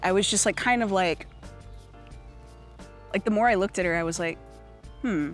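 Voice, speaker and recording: Over music in the background, a woman at medium pitch talks at a fairly quick pace with ordinary pitch variation and long, frequent pauses. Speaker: voice actor. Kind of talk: interview answer.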